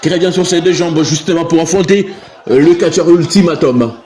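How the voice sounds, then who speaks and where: A man's voice: fairly high pitch, a little fast, darkish tone, some chatter behind. A man with a Congolese French accent giving live play-by-play commentary of a wrestling match, repeating phrases and exclaiming.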